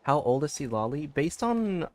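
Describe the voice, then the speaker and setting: A man's voice: fairly high pitch, sing-song, moderate pace, darkish tone. A man streaming a video game, giving casual, loosely rambling and hesitant commentary. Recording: game music under the voice.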